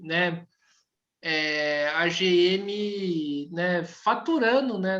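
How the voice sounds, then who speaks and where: A man hosting a podcast interview, relaxed and full of tag questions. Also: high voice. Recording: dull lo-fi sound.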